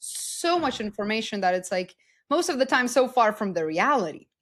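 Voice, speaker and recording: In a Lithuanian accent, a woman speaks at a moderate pace with a fairly high pitch. The recording is very clean, with a silent background. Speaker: psychology-trained wellness and money expert. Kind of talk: podcast interview.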